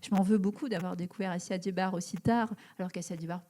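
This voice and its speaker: Thoughtful woman with a mellow voice. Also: on the low side, fairly even intonation, fast talker. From Algeria. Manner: thoughtful, many fillers and restarts. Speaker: writer, interview guest. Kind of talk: live public interview. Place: event hall before an audience.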